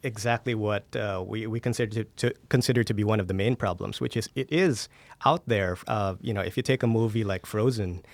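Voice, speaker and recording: A man with a fairly low voice talks as a guest in a podcast interview. He explains in a conversational way, using examples and checking in with the listener. The studio sound is close and dry. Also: a little fast, gravelly, no echo. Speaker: podcast guest, media entrepreneur. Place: recording studio.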